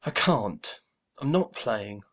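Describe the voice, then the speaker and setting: Woman as a slow, low-voiced reluctant boy. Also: lively intonation, fairly bright tone, husky, exaggerated voice. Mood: dismayed. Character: dismayed, reluctant English boy. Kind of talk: audiobook character dialogue.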